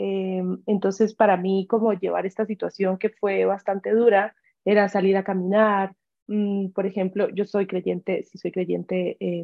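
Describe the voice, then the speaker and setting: A woman with a medium pitch speaks at a fairly slow pace with monotone, flat intonation. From Colombia. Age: 30s. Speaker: makeup artist and hairstylist. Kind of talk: casual interview chat. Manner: calm.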